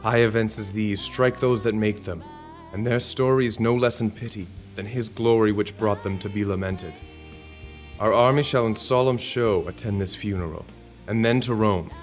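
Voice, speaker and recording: Man playing a low-voiced, solemn Roman ruler. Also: soft background music, natural voice. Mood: solemn, commanding. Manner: formal, measured declamation in verse. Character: grave, commanding male Roman ruler, stately and solemn. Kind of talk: Shakespearean audio drama acting.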